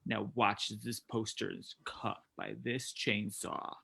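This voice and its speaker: A man's voice: lowish voice, steady tone, slow, gravelly, sharp tone, breathy edge, exaggerated voice. A man playing a brash, boastful pro wrestler in a staged promo reading, with cocky, taunting delivery. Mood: boastful, aggressive.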